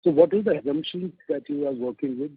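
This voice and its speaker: A man's voice: a little high, fast, breathy edge, no room sound. A man, an analyst pressing management with persistent questions on an earnings call. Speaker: financial analyst. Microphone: phone. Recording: tinny phone line.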